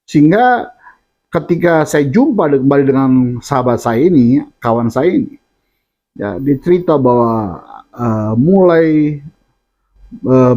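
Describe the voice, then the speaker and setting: A man's voice: medium pitch, mellow. Preacher man with a dull lo-fi sound. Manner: addresses listeners as "saudara" often, with fillers and restarts. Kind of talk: sermon.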